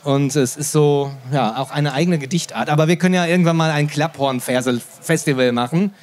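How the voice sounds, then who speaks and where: A man from the Sauerland hosting a limerick reading event, chatting between readings and reciting limericks slowly. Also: on the high side, a little mellow. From Sauerland, Germany. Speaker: host.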